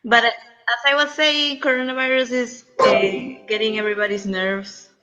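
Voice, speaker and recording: A woman's voice: fairly high pitch, fairly even intonation, normal speed, over music. A woman from Peru with a Peruvian accent, a native Spanish speaker, chatting casually as a caller on a video call, laughing often and sounding nervous. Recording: dull video call audio.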